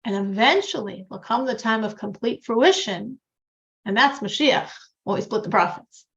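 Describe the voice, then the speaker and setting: A woman teaching a religious class in an animated, conversational way, explaining through everyday examples. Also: on the high side, moderate pace, vocal fry. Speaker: Torah teacher. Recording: dull lo-fi recording.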